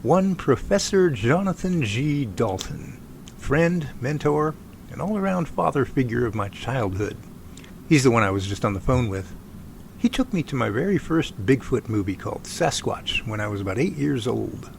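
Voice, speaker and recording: A man's voice: mid-range voice, very animated, moderate pace, gravelly, a little hiss or hum. A man playing an easygoing young Bigfoot researcher from California in an amateur radio drama, with a folksy, wry manner. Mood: earnest, easygoing.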